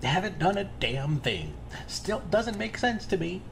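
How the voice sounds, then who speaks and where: Actor doing a chatty serial killer on an angel mission, super casual, very animated pitch, bit of noise behind, audio drama. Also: unhurried, gravelly. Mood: casual, probing. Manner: breezy, chatty, casual while menacing. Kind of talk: full-cast audio drama acting. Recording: faint background noise and ambience.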